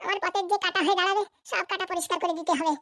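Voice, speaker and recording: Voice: very high voice, little pitch movement, racing, a bit bright, no room sound, clean studio sound. A performer voicing a ruthless, ambitious, bossy wife and mother in a Bangla comedy cartoon, scheming coldly.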